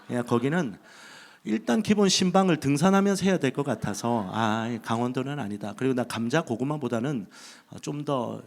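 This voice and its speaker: A male pastor from Busan preaches into a handheld mic in a church, with a lively voice that rises and falls a lot. He spins a funny story and acts out his own past thoughts, keeping the room engaged. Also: mid-range voice, normal speed, vocal fry. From Busan, South Korea. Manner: humorous storytelling with acted inner thoughts. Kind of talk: sermon. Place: church sanctuary.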